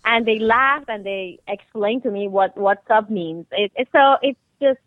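A woman from Iran, a guest speaking over the phone, chatty and quick to laugh. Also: medium pitch, no echo. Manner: laughs easily, eager and chatty. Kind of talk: phone interview. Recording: tinny phone line.

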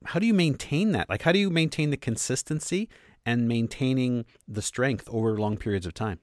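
A man's voice: mid-range voice, brisk, no echo, studio quality. A man hosting an interview, asking questions in a playful, joking way. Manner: playful, self-deprecating, laughs easily.

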